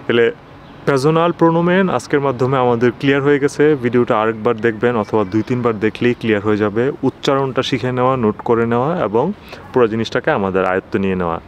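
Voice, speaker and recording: A man at an ordinary middle pitch talks through a language lesson. He is patient and explanatory, repeats each word slowly and keeps checking in with his listeners. A faint noise sits under the recording. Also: fairly even intonation, dull audio. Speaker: German language teacher.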